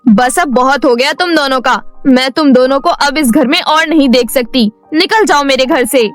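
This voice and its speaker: A woman's voice: high-pitched, normal speed, soft background music, lightly acted. A woman voicing a cruel middle-aged stepmother in a cartoon, scolding harshly and hurling insults. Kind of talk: cartoon voice acting.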